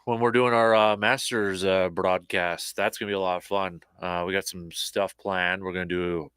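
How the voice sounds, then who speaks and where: Low-voiced guy hosting, laid back, lots of uhs, dry close mic. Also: normal speed, smooth, dry recording. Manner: relaxed, rambling with fillers. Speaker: host. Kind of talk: casual radio show chat.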